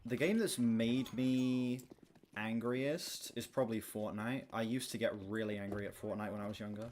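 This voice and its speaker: A young man livestreaming, chatting casually and candidly to his audience in a projected but monotone voice, swearing now and then. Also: medium pitch, moderate pace. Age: young adult. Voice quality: self-described monotone, projected streaming voice. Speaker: gaming livestreamer. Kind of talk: casual chat to a stream audience. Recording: clear background noise, keyboard clicks. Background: keyboard typing and clicks.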